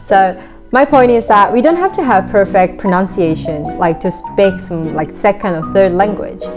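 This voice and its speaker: A woman's voice: mid-range voice, moderate pace. Korean-accented woman chatting over music. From South Korea. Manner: relaxed, conversational, many "like" fillers. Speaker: vlogger. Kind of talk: casual talking-to-camera tips. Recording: background music.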